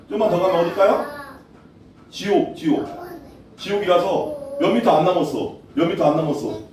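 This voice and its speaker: A man gives a sermon, speaking casually and asking his congregation questions as he goes. His voice sits fairly high for a man yet sounds mellow. The mic picks him up from a distance in a very echoey church hall, with faint noise behind him. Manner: conversational preaching, asks the congregation questions. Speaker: pastor.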